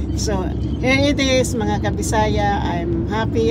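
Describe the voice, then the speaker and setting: Loud background noise runs under a woman's voice. The sound is dry, with no echo. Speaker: mother vlogger. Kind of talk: casual vlog chat. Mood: happy, cheerful. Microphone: phone near.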